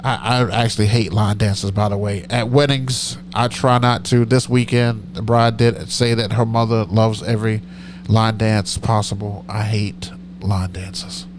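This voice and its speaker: A man's voice: lowish voice, level tone, measured pace, background noise. A middle-aged man with a nasal voice, hosting a live stream as a DJ, chatting casually and rambling as he answers comments. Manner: rambling, self-correcting, chatty.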